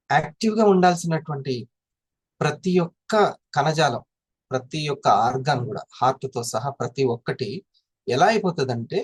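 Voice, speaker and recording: A man's voice: on the high side, dry recording. Man teaching, question-driven. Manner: asks the audience questions often. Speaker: presenter explaining health products. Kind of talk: classroom-style explanation.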